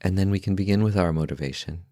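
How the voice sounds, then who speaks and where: A man leading a guided meditation in a calm, gentle, unhurried manner, leaving long pauses between short phrases. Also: low voice, no echo, clean studio sound. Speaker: meditation guide, podcast host.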